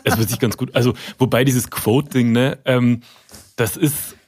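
A man, a guest author in a casual interview, talking in halting restarts with self-deprecating humor. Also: mid-range voice, steady tone, darkish tone, slightly rough.

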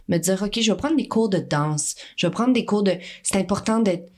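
A woman's voice: mid-range voice, normal speed, a little mellow. A Québécois actress in her thirties, chatting earnestly in an interview and repeating words as she thinks. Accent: Québécois French. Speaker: actress, podcast guest. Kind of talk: casual interview chat.

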